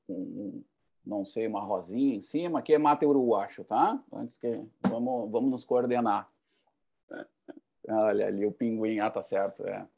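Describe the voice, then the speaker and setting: A man, a university professor, giving a lively lecture with chatty, joking asides. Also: medium pitch, creaky.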